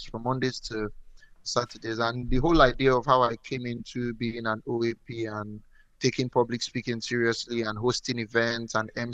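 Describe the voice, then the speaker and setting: A man's voice: mid-range voice, a bit bright, no echo, rough recording. A male radio host talks casually and often says a phrase twice in a row. His voice sounds dry and close, with no room around it. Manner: friendly, repeats himself, laughs often. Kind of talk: casual on-air chat.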